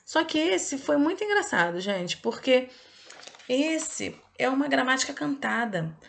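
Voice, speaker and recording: In a high-pitched voice with big pitch swings and vocal fry, a woman gives children a recorded review lesson. Her manner is didactic: she stretches important words and keeps checking in with quick "ok?" and "tá?" tags.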